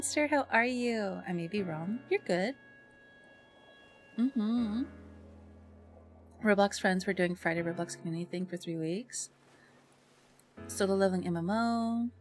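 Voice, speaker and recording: A woman livestreamer chatting casually with viewers in a bubbly, expressive and affectionate way. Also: on the high side. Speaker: live streamer and ASMR content creator. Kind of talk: casual livestream chat with viewers, greeting them and reading messages. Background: background music.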